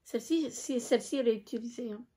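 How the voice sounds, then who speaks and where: Hesitant woman vlogger, slightly high voice. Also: warm tone. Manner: hesitant, many filler pauses. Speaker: beauty vlogger. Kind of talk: casual show-and-tell vlog.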